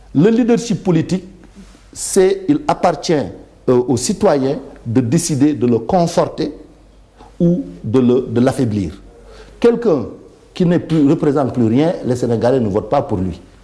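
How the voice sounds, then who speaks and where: At a fairly slow pace, a man with a fairly high voice swings very widely in pitch, leaving long, frequent pauses over noticeable background noise. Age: 60s. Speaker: politician. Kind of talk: TV interview. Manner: animated.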